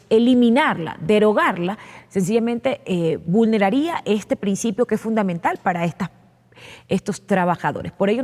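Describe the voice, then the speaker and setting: A woman's voice: mid-range voice, darkish tone. A woman lawmaker explaining her views in a televised interview, earnest and full of "eh" fillers and repeated words. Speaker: legislator being interviewed. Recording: long reverb.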